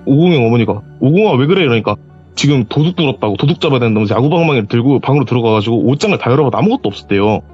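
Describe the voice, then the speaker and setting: A man calling in to tell his own ghost story, lively and animated, jumping his voice up high whenever he acts out what someone said. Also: rapid-fire, husky, muffled recording, soft background music. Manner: animated, acts out quoted voices with sharp pitch jumps. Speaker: caller telling a personal story. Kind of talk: call-in horror storytelling. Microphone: voice call.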